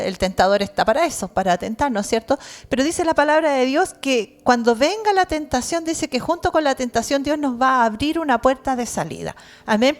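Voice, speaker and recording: A middle-aged woman with a Chilean accent preaching a sermon as pastor, earnest and animated, often adding amen and cierto. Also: high voice. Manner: animated storytelling, shouting out imitations.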